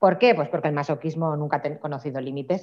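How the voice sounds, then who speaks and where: A woman's dark, mellow tone. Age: 30s. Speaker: communication trainer and entrepreneur. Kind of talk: interview conversation.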